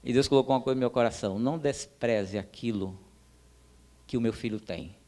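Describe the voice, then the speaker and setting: A man teaching a church class in a sermon style, emphatic and animated, speaking directly to his listeners. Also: mid-range voice, a little fast.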